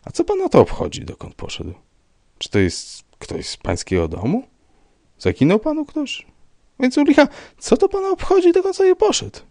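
A man voicing a gruff police commissioner who speaks in a dry, curt, dismissive way. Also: medium pitch, sing-song, moderate pace, a little mellow, no room sound, voice pushed up. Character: gruff, unbothered middle-aged police commissioner.

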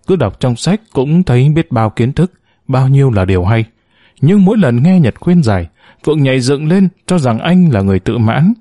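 Warm-voiced male story narrator. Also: mid-range voice, no room sound, clean studio sound. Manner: expressive storytelling reading. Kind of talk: scripted narration of a short story.

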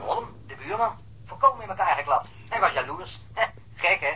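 An apologetic, talkative policeman over a telephone in a radio play. His voice is high and very raspy, and he rattles along quickly. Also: animated, sharp tone, exaggerated voice, rough recording. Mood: chatty. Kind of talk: radio drama acting.

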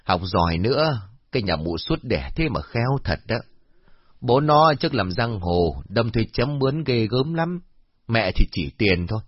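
A man's voice: mid-range voice, very animated, moderate pace, breathy edge, no echo, muffled recording. A man voicing a kindly, talkative older village man. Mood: chatty. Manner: chatty and familiar.

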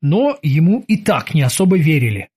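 Expressive audiobook narrator. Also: mid-range voice, normal speed, breathy edge. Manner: expressive reading.

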